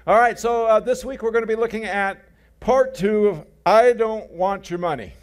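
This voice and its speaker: A middle-aged man preaching, with a voice pitched high for a man. He tells folksy stories, slips in jokes and says his main points twice. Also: moderate pace. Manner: folksy storytelling with jokes and repeated key phrases. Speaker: pastor. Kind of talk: sermon.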